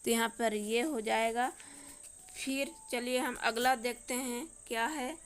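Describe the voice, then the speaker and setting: A woman's voice: fairly high pitch, steady tone, a little slow. A woman teacher with a Madhya Pradesh Hindi accent, working through a worksheet and sounding out each letter one by one. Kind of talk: worksheet lesson walkthrough.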